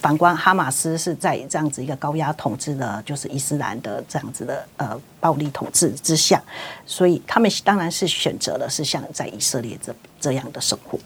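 A woman's voice: low-pitched, animated, a little fast, a little hiss or hum. A woman interpreting into Mandarin on the radio, hesitant, with many fillers and restarts as she goes. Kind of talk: consecutive interpretation. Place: radio studio.

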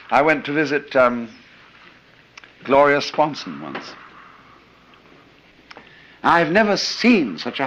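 An older man speaks in a rambling, reflective lecture. His pitch rises and falls animatedly as he muses. He often pauses on "uh" and tags points with "you see.". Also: a bit bright, slight background noise, low-quality recording. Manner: musing, anecdotal, with frequent "you see" and "uh". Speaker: lecturer on philosophy.

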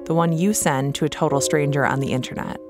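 A woman's voice: deep voice, fairly even intonation, quick pace, over loud music. A middle-aged woman from the hosting a podcast, delivering an earnest scripted monologue with wry asides. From United States. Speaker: podcast host.

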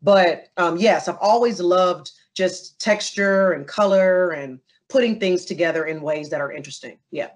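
Expressive woman telling stories in an interview. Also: lowish voice, normal speed, few pauses. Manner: animated, expressive storytelling with asides to the listener. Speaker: interview guest. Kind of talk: casual interview conversation.

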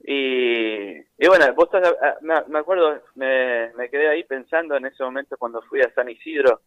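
A man's voice: mid-range voice, normal speed, no room sound, phone-quality sound. A man from Philadelphia with an American accent, a guest author on the phone telling anecdotes with lots of restarts. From Philadelphia, United States. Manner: chatty, animated anecdotes with many restarts. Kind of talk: phone interview, storytelling. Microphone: phone line.

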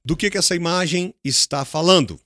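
A man with a Brazilian Portuguese accent, from Brazil, teaches English, switching to Portuguese to explain, slowly repeating words, and answering his own questions to the students. His voice sits a little high with a sharp tone, and there's a touch of hiss or hum.

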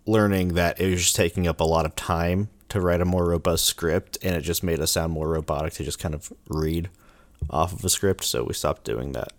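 A man co-hosting a podcast in casual chat, hoarse from bronchitis, rambling and correcting himself as he goes. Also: low-pitched, moderate pace. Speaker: podcast co-host.

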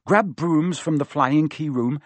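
A brave but anxious schoolboy from a storybook, read by a man. He sounds urgent and earnest, a little high, in a dry close recording. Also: unhurried, dry recording. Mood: urgent, resolute. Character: brave, modest, anxious young schoolboy hero.

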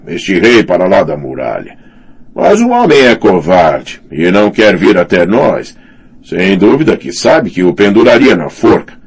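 A man reads as a puffed-up male commander, pitched well above a low husky voice and leaning hard on every boast. He bullies and gloats. The delivery swings widely in pitch. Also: exaggerated voice. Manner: boastful, bullying, talks of himself by name. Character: pompous blustering male commander, middle-aged. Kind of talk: audiobook character reading.

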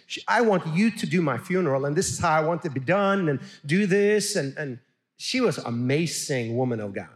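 A middle-aged man from Sweden, a pastor preaching a sermon and calling on the congregation to answer back. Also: on the high side. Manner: animated, calls for audience responses.

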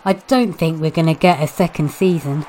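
A woman's voice: low voice, normal speed, mellow, a little hiss or hum, natural voice, rough recording. A woman playing a wry, cheeky narrator in a scripted comic pantomime.

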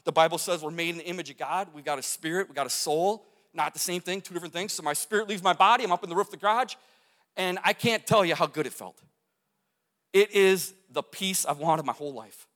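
Male testimony speaker, high pitch, repeats phrases for emphasis, long hall reverb. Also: fast talker, a bit bright. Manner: vivid storytelling with gestures, repeats phrases for emphasis. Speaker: speaker telling his near-death story. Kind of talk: testimony talk to an audience.

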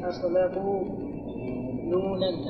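A man's voice: sits high, monotone, unhurried, echoey room, big-room sound, dull audio, music in the background. A male student answering a grammar question in class, reciting his answer hesitantly.

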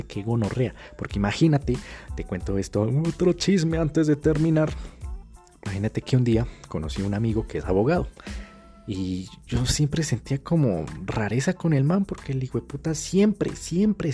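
A Colombian man talking casually in a storytelling monologue, full of crude slang, swinging between loud bursts and muttering. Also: mid-range voice. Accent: Colombian Spanish. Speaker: vlogger.

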